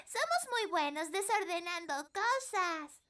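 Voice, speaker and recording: Very high, childlike fairy princess. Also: female voice, very animated, slow pace, a bit bright, full character voice. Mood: excited. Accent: Latin American Spanish. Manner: childlike, giggly, exclaiming. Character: cheerful, curious little fairy princess girl. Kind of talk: children's cartoon dubbing.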